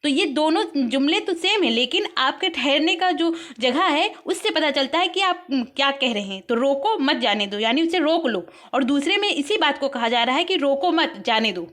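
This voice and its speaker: Indian woman teacher, high voice, patient step-by-step explainer for an online lesson. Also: animated, normal speed, few pauses, fairly bright tone. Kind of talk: explaining an exam paper.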